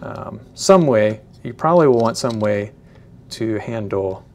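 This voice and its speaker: A man giving a casual, unscripted product demonstration in a hesitant, halting way, often searching for words. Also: lowish voice, expressive, a little mellow, a little hiss or hum. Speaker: product reviewer.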